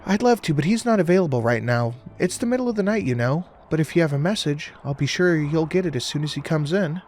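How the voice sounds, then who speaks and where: A man's voice: a little high, expressive, fast, a little mellow, slight background noise, voice pushed up, lightly acted. A man voicing a cheerful woman dispatcher with a Southern US accent who sweetly calls the caller hun. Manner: sugary, chirpy, calls people hun.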